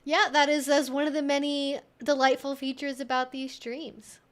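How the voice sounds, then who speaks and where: A woman's voice: high-pitched, flat delivery, normal speed. A woman hosting a livestream, chatting casually and informally, rambling a little as she thinks aloud. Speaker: livestream host and educator.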